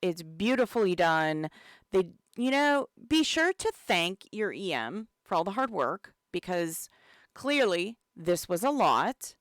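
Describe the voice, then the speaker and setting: A woman's voice: on the low side, slow, dry recording, studio quality. A woman with a cold, hosting a live game stream as community manager, chatting casually with lots of fillers and greeting viewers. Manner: chatty and relaxed, many fillers, greets chat. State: has a cold.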